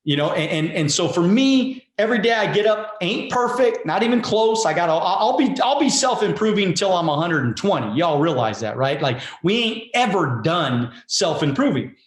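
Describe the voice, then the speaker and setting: Animated motivational man in his forties. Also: high-pitched, normal speed, few pauses. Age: 40s. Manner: emphatic, casual, repeats words, swears freely. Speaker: guest, wealth coach. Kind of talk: motivational conversation. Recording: roomy echo.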